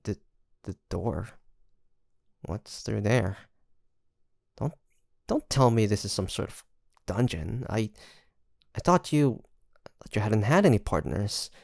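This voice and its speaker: A performer playing a teasing, easily flustered pirate captain in an intimate ASMR roleplay, speaking haltingly with sighs and soft laughs. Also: mid-range voice, animated, creaky, no room sound, studio quality, exaggerated voice. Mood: flustered, reluctant.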